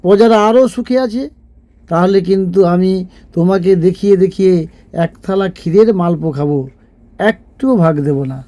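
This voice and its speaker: A man playing a thoughtful, fair-minded king in a cartoon storybook tale, explaining himself in a measured, reasoning way. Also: high-pitched, dark tone, lightly acted. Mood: firm, confident.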